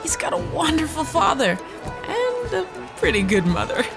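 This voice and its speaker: A woman's voice: sits high, huge pitch swings, moderate pace, creaky, over loud music, exaggerated voice. An actress playing a doting, affectionate mother in a remembered scene of an audio drama. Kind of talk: audio fiction acting.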